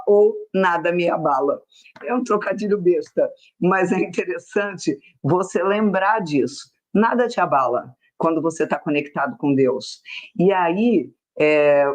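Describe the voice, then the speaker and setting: A woman with a Brazilian accent, teaching an online self-help class, speaking emphatically and slowly repeating phrases in a soft chant. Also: low-pitched. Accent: Brazilian Portuguese. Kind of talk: online class with sales pitch and guided mantra exercise.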